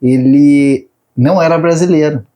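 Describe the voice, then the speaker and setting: Laughing, storytelling host. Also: male voice, on the high side, unhurried, warm tone. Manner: jokey storyteller, laughs often. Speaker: podcast host. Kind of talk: casual interview chat.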